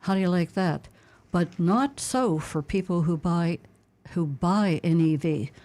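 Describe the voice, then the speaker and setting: A woman from Pittsburgh co-hosting a radio talk show, chatty and quick to laugh. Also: fairly low pitch, darkish tone. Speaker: co-host.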